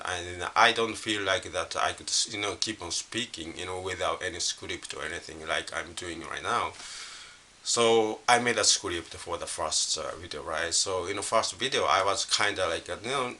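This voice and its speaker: A middle-aged man from Japan with a Japanese accent, a native Japanese speaker, talking casually and unscripted to camera in a halting, repetitive way full of filler phrases. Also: sits low, bright, forceful tone. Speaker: language learner vlogger. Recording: hissy recording with faint background noise.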